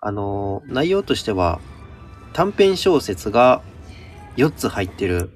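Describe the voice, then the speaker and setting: A man's voice: on the low side, sing-song, takes it slowly, soft background music. A man speaking as a radio guest, introducing a book politely and a little hesitantly, phrase by phrase. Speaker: guest presenting a book segment.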